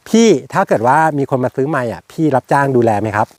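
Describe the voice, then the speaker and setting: A talkative, excitable man with a joking manner, showing land for sale outdoors in a fruit orchard on a clip-on mic. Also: mid-range voice, fast, dry recording. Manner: chatty, excitable, jokey. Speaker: real estate agent showing land for sale. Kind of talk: casual walking property tour.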